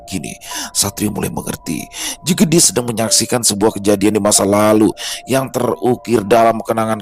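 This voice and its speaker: A man narrating a scripted horror story in a slow, hushed, dramatic way. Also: on the low side.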